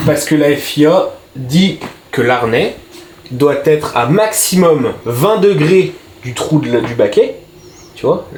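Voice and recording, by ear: With a northern French accent, a man talks at a very slow pace and a fairly high pitch, with lively intonation, long and frequent pauses, and noticeable background noise.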